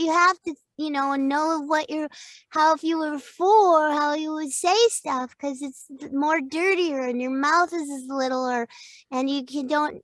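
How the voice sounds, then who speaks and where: A middle-aged woman with a high, bright-pitched voice speaks at an unhurried pace, coaching-style and playful, laughing often as she thinks out loud. The sound is dry and close, with no room around it. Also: dry recording. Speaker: podcast guest, voice actor and coach. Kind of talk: casual interview chat.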